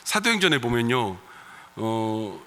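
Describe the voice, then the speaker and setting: A man in his thirties, a pastor, preaching a sermon in a church, moving between loud emphatic calls and quiet storytelling. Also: mid-range voice, sing-song, takes it slowly. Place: church sanctuary. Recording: long reverb of a church hall.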